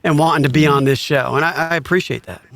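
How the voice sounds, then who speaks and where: A man hosting a podcast in casual banter, jokey and quick with quips. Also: fairly high pitch, vocal fry, a bit bright, no echo. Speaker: podcast host.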